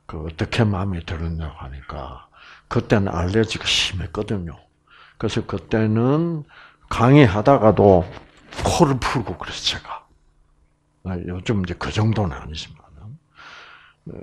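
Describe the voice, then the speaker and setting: Brief: male lecturer, unhurried delivery, animated storyteller who acts out sounds. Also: on the low side. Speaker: health lecturer.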